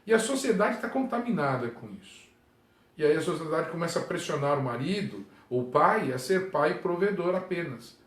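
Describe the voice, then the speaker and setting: A Brazilian man, a pastor, talking casually on a livestream from home, with frequent tag questions and sudden jumps up in pitch for emphasis. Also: expressive, normal speed, reverberant. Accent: Brazilian Portuguese. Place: room at home.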